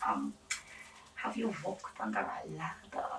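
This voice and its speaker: A woman playing an eccentric female doctor in an ASMR roleplay, halting and formal, breathy and often near a whisper. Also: on the low side, huge pitch swings, fairly bright tone, recorded from a distance, slight background noise, exaggerated voice. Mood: cautious, quirky. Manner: halting, hesitant, formal clinical phrasing with odd asides. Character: eccentric female doctor examining a patient for monster afflictions. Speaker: ASMR performer. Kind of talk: ASMR roleplay, intimate questioning.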